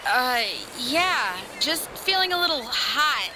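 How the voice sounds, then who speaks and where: A woman's voice: sits high, lively intonation, slow, background noise. A woman playing a stunned, demanding young wife who gains superpowers in an audio drama. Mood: dazed, relishing. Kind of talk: acted audio fiction dialogue.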